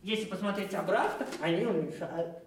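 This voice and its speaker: An actor playing a cheerful know-it-all clown on a children's TV show, explaining eagerly with lots of fillers. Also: male voice, high voice, fairly quick, a little hiss or hum, natural voice. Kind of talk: playful children's TV banter. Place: indoor TV studio set. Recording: roomy studio set, mic at a distance.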